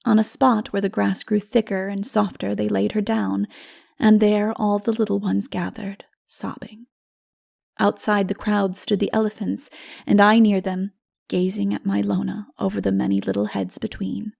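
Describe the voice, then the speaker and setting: Hushed, creaky-voiced woman narrating fiction. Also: medium pitch, flat delivery. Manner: hushed, measured, solemn storytelling. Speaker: audiobook narrator. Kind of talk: dramatic scripted fiction narration.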